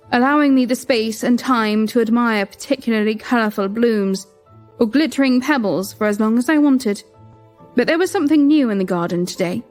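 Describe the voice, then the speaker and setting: A woman narrating a palace story in first person, gentle and wistful, over soft music. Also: mid-range voice. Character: queen narrating her own story.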